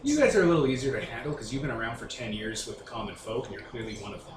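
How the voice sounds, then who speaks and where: A man's voice: medium pitch, expressive, very fast. A man running a tabletop game, improvising narration and bantering casually as game master. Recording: roomy, faint background noise.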